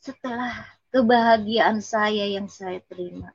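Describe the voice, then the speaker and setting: A woman's voice: medium pitch, unhurried, breathy edge, no room sound, muffled recording. A woman with a Betawi accent gives an earnest, emotional personal testimony and respectfully addresses her listener as sir. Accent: Betawi Indonesian. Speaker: testimony giver.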